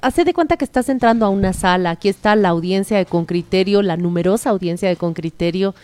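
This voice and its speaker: A woman, hosting an interview and introducing her guest in a lively, welcoming way. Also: mid-range voice, quick pace, clean tone, no echo. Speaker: interview host.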